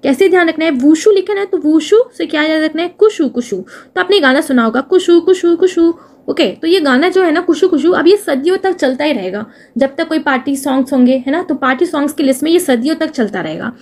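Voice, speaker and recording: A woman teaching an exam-prep lesson with memory tricks. She asks and answers her own questions, says "okay" again and again, and reads the English phrases slowly. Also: high-pitched, lively intonation.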